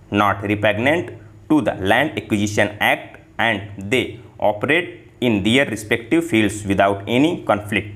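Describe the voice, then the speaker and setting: A man dictating formal legal text for shorthand practice, reading it out in deliberate, separated phrases. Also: medium pitch, a bit bright.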